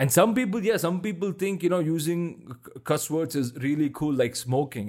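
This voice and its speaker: With an Indian accent, a man talks at a moderate pace in lively intonation, with hardly any pauses. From Bangalore, India. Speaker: podcaster. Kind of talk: solo podcast monologue, casual rant. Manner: casual, candid, explicit.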